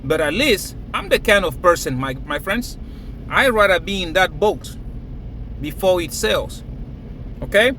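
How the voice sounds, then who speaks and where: A man's voice: high voice, animated, measured pace, long pauses, sharp tone, slight background noise, poor audio. A man from Cameroon, raised in Nigeria, talking emphatically to camera and laughing between phrases. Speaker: crypto vlogger. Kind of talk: casual hype monologue to camera.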